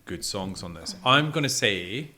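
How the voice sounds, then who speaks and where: A man's voice: lowish voice, animated, unhurried, pushed and bright, slight background noise. A middle-aged man chatting casually as co-host of a music review podcast. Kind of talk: casual chat.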